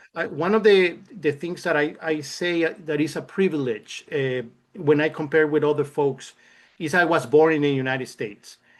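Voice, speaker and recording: The speaker has a Spanish accent, a moderate pace, and ordinary pitch variation. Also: man, fairly high pitch for a man. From Nicaragua. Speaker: entrepreneur. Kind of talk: casual interview chat. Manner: halting, many repetitions and fillers.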